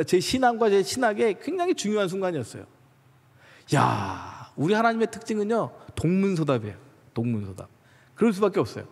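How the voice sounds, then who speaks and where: Man giving a sermon, kinda high voice, acts out little dialogues, echoey big sanctuary. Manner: animated storytelling, acts out dialogues. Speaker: guest speaker at a church retreat. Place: church sanctuary. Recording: long church-hall reverb.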